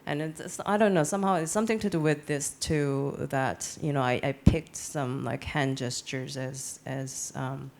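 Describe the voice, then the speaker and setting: Gravelly-voiced artist on a panel, lots of ums, kinda halting. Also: mid-range voice, fairly even intonation, a little mellow. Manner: hesitant, many fillers and restarts. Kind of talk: panel discussion. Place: panel event.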